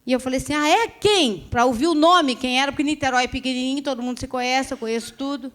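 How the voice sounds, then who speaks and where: Lively Rio woman telling her testimony. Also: high-pitched, racing. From Rio de Janeiro, Brazil. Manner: lively storytelling with acted-out dialogue. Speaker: speaker giving a testimony. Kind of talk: religious testimony to an audience. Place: restaurant event hall.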